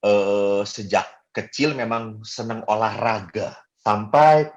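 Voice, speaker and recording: A middle-aged Catholic priest preaching a homily, telling personal stories in an animated, joking way with many fillers. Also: male voice, fairly low pitch, takes it slowly, dull audio. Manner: animated, jokey storytelling with fillers.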